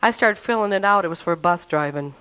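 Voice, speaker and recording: A woman's voice: lowish voice, a little fast, fairly bright tone, clear, resonant tone, poor audio. A middle-aged woman telling her own faith story with fervor and feeling, acting out her prayers and the things people said to her. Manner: fervent, emotional, quotes her own prayers aloud. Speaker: testimony speaker. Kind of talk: spoken personal testimony.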